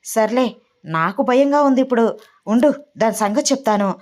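A woman's voice: fairly high pitch, natural voice. Woman playing a flustered middle-aged mother. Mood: alarmed. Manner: excitable, quick to shout.

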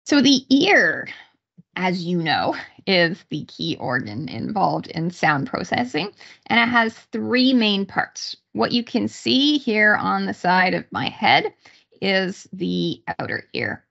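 Woman lecturing with lively, swooping pitch. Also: creaky, highs cut off. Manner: halting, pausing mid-sentence. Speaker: university psychology lecturer. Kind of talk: online lecture, explanatory. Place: small room indoors, on a video call.

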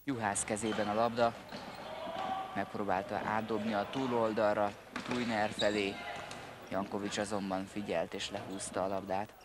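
Low-voiced male match commentator, noisy hall. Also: little pitch movement. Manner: terse, clipped calls of players' names. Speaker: sports commentator. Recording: noisy indoor sports hall recording. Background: sports hall noise, bouncing ball.

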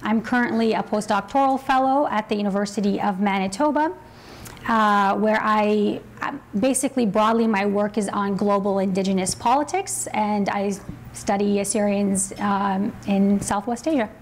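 A woman, introducing herself as an academic panelist in a measured, careful, halting way. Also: medium pitch, slight background noise. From born in Iraq, raised in Canada from age nine. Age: 30s. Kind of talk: formal self-introduction. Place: seated on stage in a conference room.

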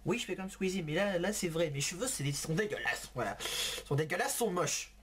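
A man's voice: sits high, animated, brisk, fairly bright tone, a little hiss or hum. A man hosting a gaming video in casual commentary, laughing often and exclaiming while he types to a chatbot at his computer. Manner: giggly, exclaiming, talking to a chatbot.

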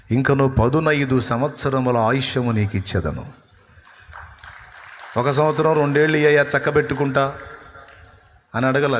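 A man's voice: mid-range voice, fairly bright tone, slight background noise. A man preaching a sermon, retelling a scripture story and acting out its dialogue with shifting intensity. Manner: storytelling, acts out quoted dialogue with rising and falling intensity. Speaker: pastor. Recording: long hall reverb.

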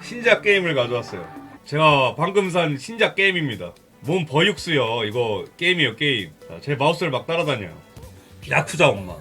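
A man with a fairly high, bright voice streams a game in casual, teasing chat. His pitch jumps about as he jokes in crude slang, with music underneath. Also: very animated, brisk. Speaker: live streamer.

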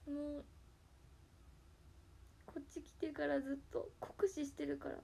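A young woman with a Hakata dialect, chatting casually on her livestream from home and thanking viewers, often slipping into soft whispery asides. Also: high-pitched, flat delivery, unhurried, creaky. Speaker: idol livestream host. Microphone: tablet built-in mic.

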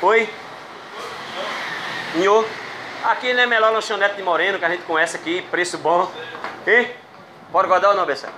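A man hosting a street prank video, talking quickly and insistently as he presses strangers. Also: sits high, fairly even intonation. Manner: insistent, pleading, fast-talking. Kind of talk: street prank, persuasive chatter. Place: outdoors on a city street. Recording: street noise from passing cars. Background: traffic noise.

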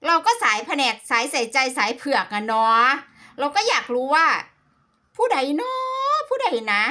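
A woman's voice: high voice, sing-song, moderate pace, pushed and bright. A woman with an Isan Thai accent chatting casually like a sassy, playful gossip vlogger, slipping between dialect and standard Thai. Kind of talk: casual gossipy reaction commentary.

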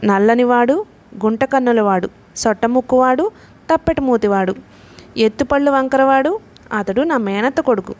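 A woman's voice: on the high side, expressive, moderate pace, long pauses, a little mellow, natural voice. A woman reading a playful teasing young woman. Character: lively teasing young woman among friends. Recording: audiobook narration.

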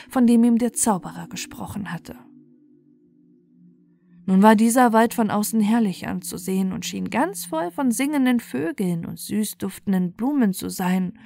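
A woman's voice: a little high, vocal fry, warm tone. A woman reading a scripted bedtime fairy tale as its narrator.

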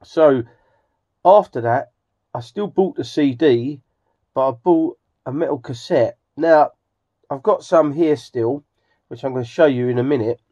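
A middle-aged man with an English accent gives a casual, rambling vlog narration in a halting, hesitant manner. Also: medium pitch, warm tone. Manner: halting, hesitant, with frequent throat clearing. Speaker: hobbyist video host. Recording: slightly dull home recording.

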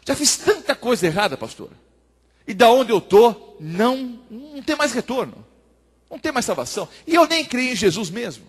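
A man's voice: very high-pitched, very animated, moderate pace, slightly rough, voice pushed up, full character voice. A male pastor voicing a defiant, hopeless young street man who talks in blunt slang. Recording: long church hall reverb.

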